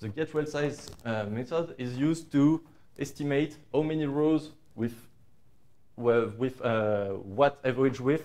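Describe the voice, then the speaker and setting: A man with a medium pitch speaks at a fairly slow pace. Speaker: database administrator. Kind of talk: conference talk. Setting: stage with audience.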